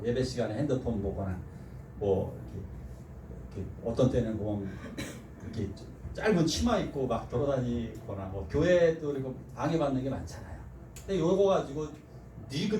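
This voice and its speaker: Animated pastor, echoey church hall. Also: male voice, mid-range voice. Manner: animated, acts out quoted speech, laughs often. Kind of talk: sermon. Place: church sanctuary. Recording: echoey church hall from far off, faint noise.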